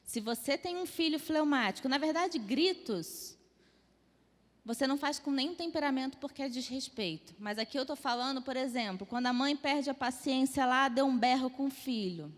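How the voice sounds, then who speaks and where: A woman teaching a church class on temperaments, lively and acting out little dialogues as examples. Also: high voice, moderate pace. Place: church hall. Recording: long hall reverb.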